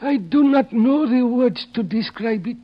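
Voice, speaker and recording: An actor in a 1950s radio drama playing a frightened, servile foreign henchman who speaks deferential, halting broken English on an old recording. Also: very high-pitched, expressive, highs cut off, heavily acted. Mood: deferential, explaining.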